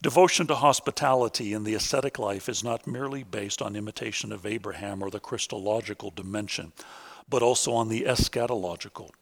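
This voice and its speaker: A man reading a scripted academic lecture in a measured, deliberate and formal way, pausing for quotations. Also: fairly low pitch, gravelly.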